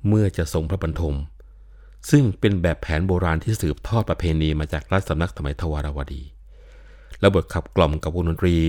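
This deep, somewhat dark male voice belongs to an older lecturer on Thai classical literature. He explains the subject patiently and sprinkles in polite particles often.

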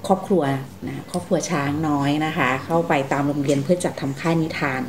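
A woman hosting a conversational interview, gently prompting her young guests with questions. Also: low-pitched, fairly even intonation, quick pace. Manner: gently prompting, calls herself "big sister" to young guests. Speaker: radio programme host interviewing two young sisters. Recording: faint background noise.

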